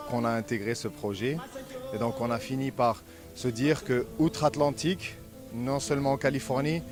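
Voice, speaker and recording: A man, a student who helps run the workshop, answering an interview earnestly with hesitations. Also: medium pitch. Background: music.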